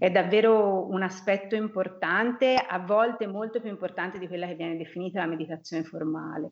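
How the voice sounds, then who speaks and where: Talking fairly quickly with hardly any pauses, a woman keeps a fairly even intonation while her loudness swings a lot. It is an unremarkable speaking voice. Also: medium pitch for a woman. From Florence, Tuscany, Italy. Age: 40s. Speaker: yoga practitioner. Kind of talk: casual interview. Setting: remote call.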